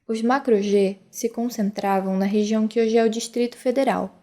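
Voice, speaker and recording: A woman's voice: a little high, fairly even intonation, moderate pace, mellow. A woman with a Brazilian accent hosts and narrates a scripted podcast. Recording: clear background noise.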